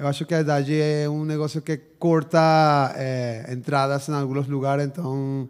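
A man with a Venezuelan accent speaks at a moderate pace with hardly any pauses, his pitch fairly high and his intonation monotone and flat. The recording is very clean, with a silent background. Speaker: musician. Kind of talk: casual talk-show interview. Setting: TV studio. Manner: halting.

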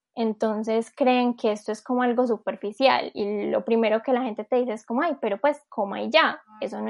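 The pace is moderate. It is a plain, everyday voice. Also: woman. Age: 20s. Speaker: guest sharing experience of an eating disorder. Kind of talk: personal testimony in an interview.

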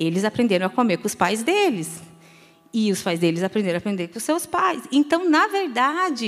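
A woman with a Brazilian accent speaks with very wide pitch swings over noticeable background noise. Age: 30s. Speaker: preacher. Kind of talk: sermon. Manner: animated.

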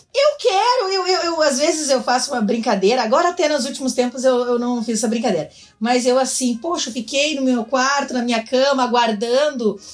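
This woman's voice sits high and moves at a moderate pace. Ordinary pitch variation runs through her speech. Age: 40s. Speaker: teacher. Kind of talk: casual chat.

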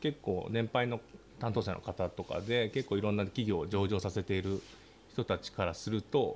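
Using a plain, everyday voice, a man speaks at a moderate pace with a fairly low pitch and fairly even intonation. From Hyogo, Japan. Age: 40s. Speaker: social company founder. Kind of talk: casual interview.

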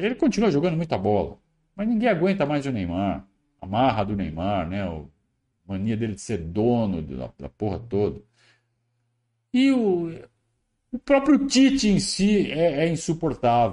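A man talks at a fairly slow pace with long, frequent pauses. The background is quiet. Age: 50s. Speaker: football commentator, live stream host. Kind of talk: casual live stream commentary on football news. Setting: live stream. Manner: repeats words, self-corrects.

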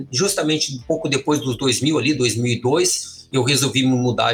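A man with a normal speaking voice, medium pitch, and a moderate pace. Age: 50s. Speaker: triathlon coach and former pro triathlete. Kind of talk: interview.

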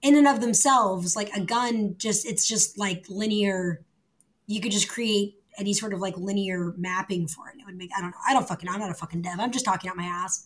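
Somewhat breathy and animated, a woman speaks at a fairly quick pace with big swings in loudness. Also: medium pitch for a woman, ordinary pitch variation. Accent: American. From US. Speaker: artist. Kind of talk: casual chat.

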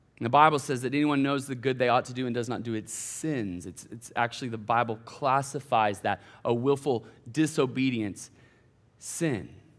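A man with an American accent, medium pitch, ordinary pitch variation and a moderate pace. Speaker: college pastor. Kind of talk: sermon. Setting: church service with audience. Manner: conversational.

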